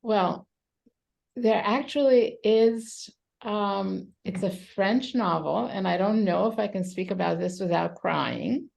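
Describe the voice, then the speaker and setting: A woman from Romania, a psychotherapist answering interview questions thoughtfully over a video call, with many pauses and fillers. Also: mid-range voice, creaky, a little mellow. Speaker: psychotherapist guest.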